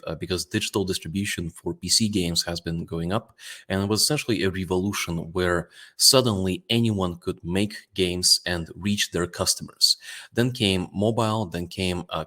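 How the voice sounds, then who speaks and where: A man in his thirties from Latvia with a Latvian-Russian accent, presenting company results to investors in a relaxed way with many fillers. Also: sits low. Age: 30s.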